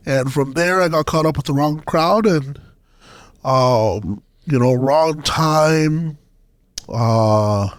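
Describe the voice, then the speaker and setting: A man from Sudan speaking as a podcast guest, telling his personal story in a halting, hesitant way. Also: fairly high pitch, dry recording.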